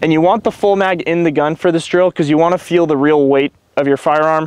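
A man talks at a very fast pace with ordinary pitch variation. The sound is dry with no echo, over a quiet background. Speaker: shooting instructor. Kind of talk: tutorial. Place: open country.

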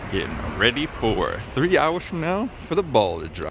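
Against noticeable background noise, a man speaks with lively intonation, the sound dry with no echo. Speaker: travel vlogger. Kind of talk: casual vlog chat. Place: street. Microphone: phone near.

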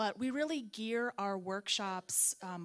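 Over a quiet background, a woman talks in a normal speaking voice at a medium pitch. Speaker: nonprofit preservation specialist; presenter. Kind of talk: public presentation. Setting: town hall meeting with audience. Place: hall. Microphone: handheld.

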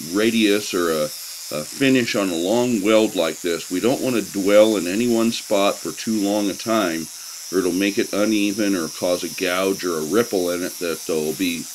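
A man at a moderate pace, fairly low in pitch with ordinary pitch variation, over noticeable background noise. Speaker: welding instructor. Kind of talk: tutorial narration.

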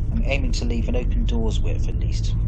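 Loud background noise sits behind the speaker. A man talks at a fairly quick pace. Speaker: driving instructor. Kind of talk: driving commentary. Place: car.

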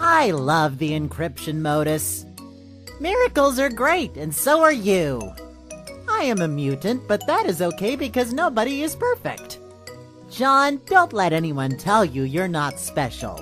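The speaker uses a put-on character voice with an upbeat, cheerful tone. The pace is moderate, and clear music plays in the background. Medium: dub.

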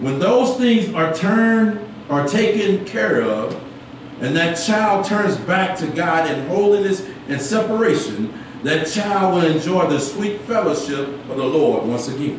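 Light background noise and strong room echo surround a man with a high pitch and lively intonation. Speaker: pastor. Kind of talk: sermon; preacher in full flow, call-and-response with congregation. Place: church.

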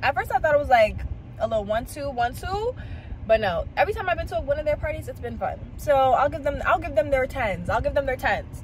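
A woman talks at a fairly quick clip, the sound dry with no echo and a little background noise behind her. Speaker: vlogger. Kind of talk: casual vlog chat. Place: car. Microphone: phone near.

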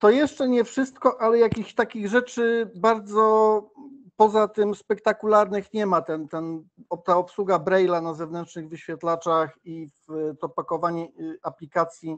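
A high-pitched man at a fairly slow pace, with ordinary pitch variation, big swings in loudness and a quiet background. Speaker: tech news host. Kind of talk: casual commentary. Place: home room. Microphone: webcam.

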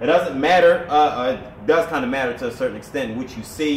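Room echo is audible as a man speaks against light background noise. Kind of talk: tutorial. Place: workshop.

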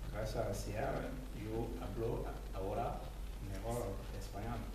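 The speech comes at a very slow pace, with noticeable background noise and audible room echo. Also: man. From Guinea Conakry. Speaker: asylum seeker, math teacher. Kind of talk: interview answer. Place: classroom. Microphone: camera far.

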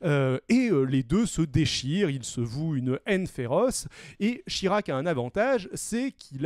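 Against a quiet background, a man's fairly high voice moves at a fairly slow pace with very wide pitch swings in a dry sound with no echo. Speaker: political commentary co-host. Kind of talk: casual explanatory chat. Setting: recorded video, offline. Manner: hesitant, many fillers. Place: home room. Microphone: handheld.

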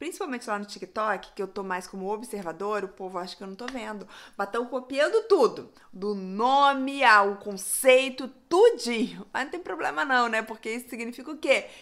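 Against a quiet background, a woman with a fairly high pitch talks at a moderate pace in an animated tone, with lively intonation and big swings in loudness. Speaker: reporter, presenter and video coach; reporter, presenter, video coach. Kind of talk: tutorial. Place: home room.

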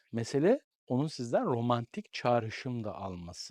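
The man talks at a moderate pace against a quiet background, the sound dry and close with no echo. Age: 50s. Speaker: psychologist. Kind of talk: advice monologue to camera. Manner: emphatic, forceful; rhetorical, repetitive.

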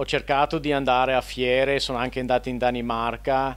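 A man is speaking. He has an English accent. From US Northeast, Poughkeepsie, New York; New York. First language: English (speaking Italian). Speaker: bicycle shop owner and designer. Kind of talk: interview. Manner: halting, many restarts. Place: workshop. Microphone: handheld.

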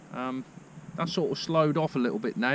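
A man's voice with ordinary pitch variation, a dry sound with no echo and light background noise. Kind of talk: casual vlog chat. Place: waterside. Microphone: phone near.

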